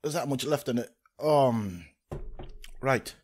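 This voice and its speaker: A man's voice: medium pitch, darkish tone, slight background noise. A young man reacting casually to the camera while suffering the burn of hot horseradish, sweating and teary, with groans and sighs between short phrases. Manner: slow, broken utterances with groans, sighs and exclamations. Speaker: vlogger doing a food challenge. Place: small home room with desk. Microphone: studio condenser mic on boom arm, close.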